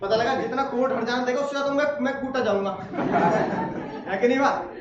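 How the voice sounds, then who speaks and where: High-voiced, animated male lecturer. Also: a little fast. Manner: animated, laughing, acts out family scenes. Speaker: teacher. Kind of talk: classroom lecture told as a comic story. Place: classroom. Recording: echoey classroom, distant mic, muffled, noisy.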